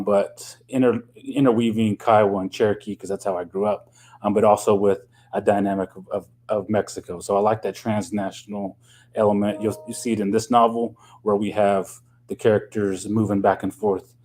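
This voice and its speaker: A middle-aged man from Oklahoma speaks in a lowish voice, easing through his answers as a novelist guest. He talks loosely, with lots of ums and you-knows. His pitch rises and falls in a lively way. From Oklahoma, USA. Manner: thoughtful, loose, full of um and you know. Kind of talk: casual radio interview.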